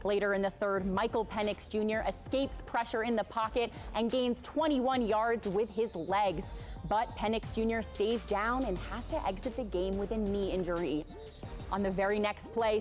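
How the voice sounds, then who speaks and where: A woman's voice: mid-range voice, normal speed, faint music behind. A woman with an American accent reading a scripted sportscast as anchor.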